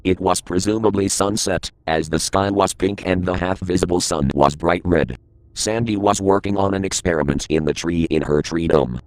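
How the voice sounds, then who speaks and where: A man narrating a creepypasta horror story in a steady, grave reading voice. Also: low voice, moderate pace, no room sound.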